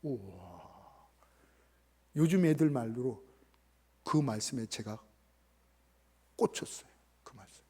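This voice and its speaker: A man's voice: medium pitch, a little slow, long pauses. A man, a pastor, preaching a Sunday sermon full of personal stories, acting out the people he quotes. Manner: animated, acts out quoted family members in voices.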